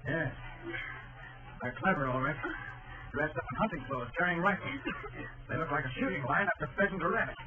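Tough, quick-witted American private eye, played by a man, higher male voice, commanding delivery, narrow muffled vintage radio sound. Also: noisy background, natural voice. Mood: tense, commanding. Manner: urgent, clipped, commanding. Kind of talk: 1940s radio crime drama acting. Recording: muffled old 1940s radio recording.

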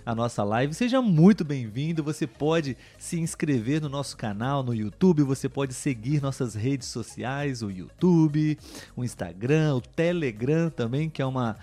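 A Brazilian man hosting a live podcast for learners of Portuguese, welcoming listeners with many fillers and pauses. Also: medium pitch, lively intonation, dark tone. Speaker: podcast host and Portuguese teacher.

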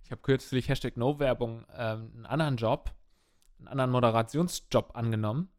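A man's voice: mid-range voice, brisk. A man co-hosting a podcast, talking in a casual, rambling and jokey way. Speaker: podcast co-host. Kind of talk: casual chat.

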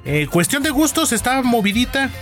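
A Mexican man banters casually on live radio between songs, his voice swinging up and down with lively expression. Faint music plays behind him. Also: very high-pitched, moderate pace. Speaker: radio host.

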